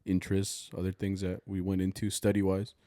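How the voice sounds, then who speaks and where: A man's voice: low voice, monotone, fairly quick, mellow, dry recording, studio quality. A young man co-hosting a podcast, chatting easygoing and talkative, rambling with fillers. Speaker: podcast co-host. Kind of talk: casual podcast chat.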